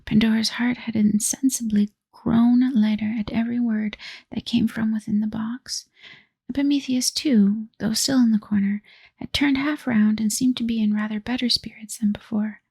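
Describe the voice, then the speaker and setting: A woman reading a children's myth aloud in a soft, breathy whispered role-play, close to the mic. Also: a little high, fairly even intonation, no room sound. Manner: slow soft storybook reading. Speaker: ASMR storyteller.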